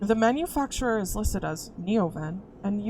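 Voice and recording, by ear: Lively intonation marks this clip of reading aloud in a natural voice.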